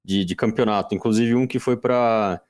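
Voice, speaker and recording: A man's voice: lowish voice, moderate pace, a little mellow. Self-deprecating man chatting. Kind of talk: casual chat.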